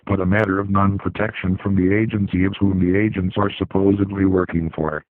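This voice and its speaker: A man reading a scripted accusing statement as an anonymous hacker, his voice disguised and pitched down, steady and flat. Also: dry recording. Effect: disguised, pitched-down deep voice. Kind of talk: scripted statement read aloud. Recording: dry, tinny phone-like sound.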